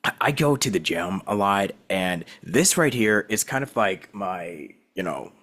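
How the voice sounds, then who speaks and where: A man's voice: on the low side, lively intonation, unhurried, fairly bright tone. A man from Southern California hosting a casual voice-acting interview, rambling with lots of fillers and laughing easily. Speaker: podcast host.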